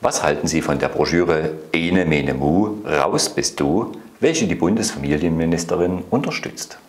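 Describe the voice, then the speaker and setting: A man works as an announcer with a deep, low voice. He reads scripted questions that introduce each topic. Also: expressive, moderate pace. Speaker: off-screen announcer.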